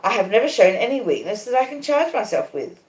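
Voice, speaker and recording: A woman voicing a proud, cool young lady in a storybook reading, calmly defiant, with measured and emphatic reasoning. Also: on the high side, pitched above the performer's own voice. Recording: echoey conservatory.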